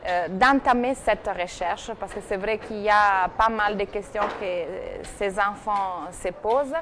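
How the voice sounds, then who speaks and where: A woman presenter tells a story in a TV studio, talking at a middling pitch. She hesitates often with fillers and restarts. A faint noise sits behind her voice. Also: unhurried, fairly bright tone. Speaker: TV segment presenter. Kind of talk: recounting a guest's story on a TV talk show.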